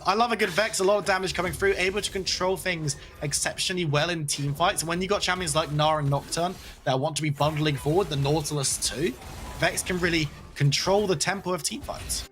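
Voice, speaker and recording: A man calling play-by-play for a competitive video game match, talking in a steady, flowing way with some playful banter. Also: a little high, brisk, slight background noise. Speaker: esports play-by-play caster.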